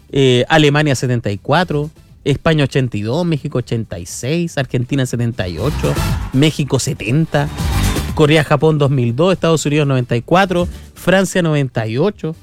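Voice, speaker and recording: A young Chilean man hosting a radio show in casual chat, his nose stuffed up from a cold, chatty and relaxed with frequent filler tags. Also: medium pitch. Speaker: radio host. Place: radio studio.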